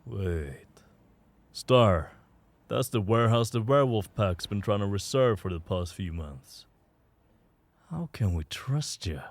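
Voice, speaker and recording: A man playing a gruff, distrustful forty-year-old werewolf in an audio drama, with a blunt, indignant manner. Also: fairly low pitch, expressive, slow, pauses often, no room sound. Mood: suspicious.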